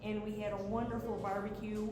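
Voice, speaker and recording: A woman's voice: medium pitch, level tone, fairly quick. Rambling woman guest, echoey room. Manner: rambling, hesitant with restarts. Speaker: animal rescue guest. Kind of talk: casual interview chat. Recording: echoey room with background noise.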